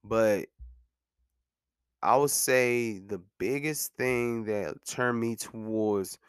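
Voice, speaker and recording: A man's voice: fairly low pitch, extremely slow, clean tone, no echo, studio quality. A man in his thirties talking casually and earnestly about his own experience as a podcast host, repeating lines for emphasis and dropping in "man" and "you know what I'm saying.". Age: 30s. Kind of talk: casual monologue.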